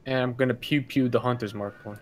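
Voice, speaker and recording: A man's voice: medium pitch, fairly even intonation, fast, slight background noise. A man talking casually as a player during a tabletop roleplaying game.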